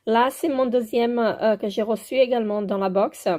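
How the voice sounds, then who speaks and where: A woman's voice: on the high side, steady tone, moderate pace, warm tone. A woman with a French accent showing her skincare products in a casual vlog, hesitant and full of filler sounds, moving around as she handles them. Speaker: beauty vlogger. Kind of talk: casual product show-and-tell.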